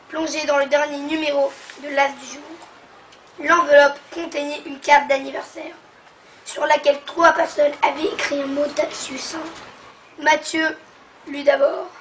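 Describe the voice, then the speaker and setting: High flat-voiced woman reading aloud. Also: recorded from a distance, a little hiss or hum, low-quality recording. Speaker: reader.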